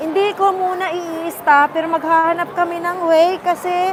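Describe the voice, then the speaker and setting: The background noise is noticeable. Over it, a woman talks at a moderate pace. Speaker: vlogger, live streamer. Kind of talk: live stream chat with viewers. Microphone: muffled by face mask.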